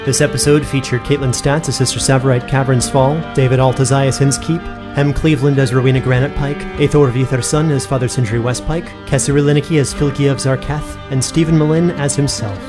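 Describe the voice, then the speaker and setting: A man with a medium-pitched voice narrates an audio drama. His scripted delivery is measured and deliberate, with plucked guitar music clearly behind him. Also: fairly even intonation. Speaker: narrator and credits announcer.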